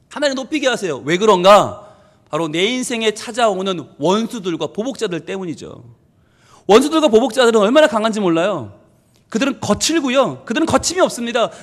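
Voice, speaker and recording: A man's voice: very high-pitched, fairly bright tone, big-room sound. A male pastor giving an emphatic, conversational sermon with playful asides, recorded in a church.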